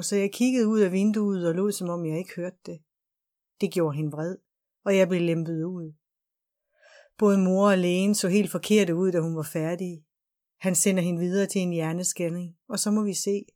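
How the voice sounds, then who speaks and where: A woman reading a novel aloud as an audiobook narrator, calm and even. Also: medium pitch. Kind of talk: scripted narration.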